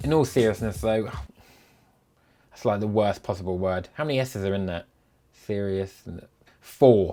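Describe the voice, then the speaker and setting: With a southern English accent, a man speaks at a moderate pace and a fairly low pitch, his tone dark and mellow, his pitch variation ordinary, and his pauses long and frequent. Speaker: YouTuber. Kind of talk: casual Q&A monologue. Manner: animated.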